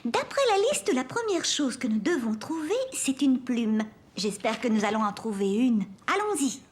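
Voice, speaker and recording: A woman's voice: a little high, very animated, moderate pace, noisy background. A woman voicing a cheerful, patient young babysitter in a French-language children's cartoon, explaining things in an encouraging way. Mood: upbeat, explaining. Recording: background music under the voice.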